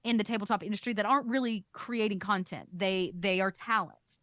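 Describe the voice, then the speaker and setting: A woman's voice: mid-range voice, fairly quick, fairly bright tone, no echo, clean studio sound. A woman speaking casually as an interview guest, informal and often voicing imagined remarks as she explains her work. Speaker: guest, game master and content production manager.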